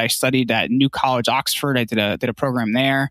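A normal speaking voice from a man, fairly high-pitched and fairly quick, with fairly even intonation, a dry, close sound with no echo, and a very clean recording with a silent background. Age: 30s. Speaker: podcast host and entrepreneur. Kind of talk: casual interview chat.

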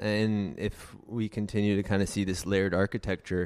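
The speaker is a man with a very deep, low pitch. His delivery keeps a moderate pace. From Morocco. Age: 20s. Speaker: crypto asset analyst. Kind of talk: casual interview.

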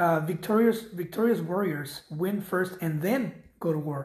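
A man with a high voice speaks at a fairly slow pace. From US-born, raised partly in Michoacán, Mexico. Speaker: podcast host and author. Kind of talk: casual conversational interview. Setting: in person recording.

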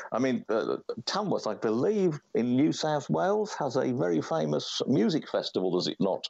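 A man speaks at a moderate pace with an English Midlands accent. His loudness stays very even throughout. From England. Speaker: author and etymologist. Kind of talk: interview.

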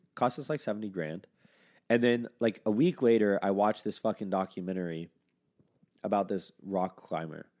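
A plain, everyday voice: a man with an American accent, fairly low pitch, ordinary pitch variation, and moderate pace, on a very clean recording with a silent background. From Arizona. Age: 30s. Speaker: adult film actor. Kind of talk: casual interview. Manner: casual, filler-heavy.

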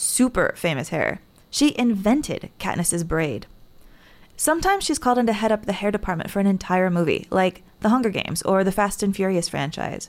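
At a moderate pace, a woman speaks in a normal speaking voice at a medium pitch. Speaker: podcast host and film critic. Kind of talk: scripted intro and interviews.

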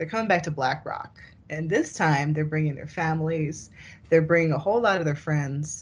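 Somewhat breathy, a woman speaks with an American accent at a very deep, low pitch, a moderate pace and ordinary pitch variation. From rural New Jersey. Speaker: labor reporter. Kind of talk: interview.

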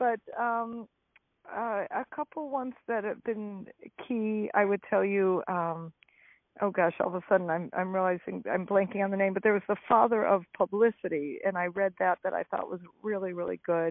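The voice is a normal speaking voice with an American accent, a moderate pace and ordinary pitch variation. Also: woman, medium pitch for a woman. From US Midwest, Detroit, Michigan. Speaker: publicity consultant and speaker. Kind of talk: interview.

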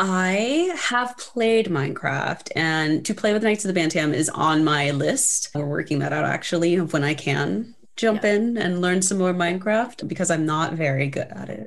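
An ordinary speaking voice with lively intonation, moderate pace and hardly any pauses. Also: woman, fairly low pitch for a woman. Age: 30s. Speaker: game developer and streamer. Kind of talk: casual interview chat. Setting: live stream.

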